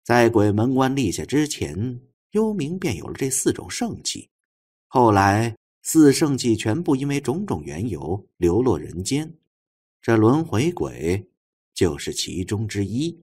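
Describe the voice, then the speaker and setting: A man's voice: medium pitch, big pitch swings, unhurried, a little mellow, slightly rough. A man voicing an earnest, knowledgeable female investigator in an audiobook, explaining things with emphatic care. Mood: earnest, explanatory.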